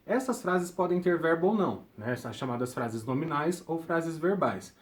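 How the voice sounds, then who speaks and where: A man's voice: a little high, lively intonation, moderate pace. Friendly man teaching grammar. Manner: ends points with check-in tags like "tudo bem?". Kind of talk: recorded grammar lesson.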